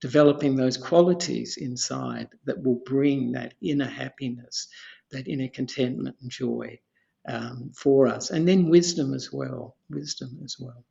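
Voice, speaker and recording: The speaker is an Australian Buddhist monk in his seventies, teaching leisurely on a podcast with rambling repetition and quiet laughs. His medium-pitched voice has vocal fry, and the recording sounds muffled.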